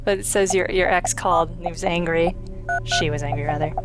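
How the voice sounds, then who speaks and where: A woman's voice: fairly low pitch, steady tone, fairly quick. A woman hosting a Let's Play with casual, sardonic, sweary commentary. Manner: sardonic, profane. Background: game music.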